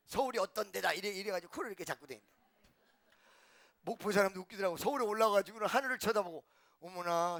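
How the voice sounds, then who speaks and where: A man preaches in a church, his voice high and gravelly with a bright, sharp edge. He tells stories and plays out the dialogue in them, swinging between hushed asides and sudden shouts. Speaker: pastor. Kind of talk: sermon with storytelling.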